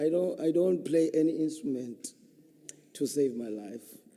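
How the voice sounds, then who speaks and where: A man's fairly high-pitched voice, dark and mellow in tone, with ordinary pitch variation. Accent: South African. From South Africa, Eastern Cape (East London township). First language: Xhosa. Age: 40s. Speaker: gospel singer and conductor. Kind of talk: podcast interview. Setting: studio.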